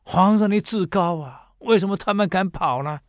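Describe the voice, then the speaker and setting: A man's voice: high-pitched, moderate pace, no room sound, clean studio sound, pitched above the performer's own voice, natural voice. A man doing an impassioned old commoner scolding an emperor. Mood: indignant. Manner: pleading, rising to indignant outbursts.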